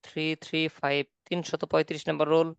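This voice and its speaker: A patient male Quran teacher explains recitation rules step by step, now and then checking that his students follow. His voice is smooth and clear. The sound is dry and slightly muffled, like an online call. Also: on the high side, level tone, fast talker, no echo. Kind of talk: online class instruction.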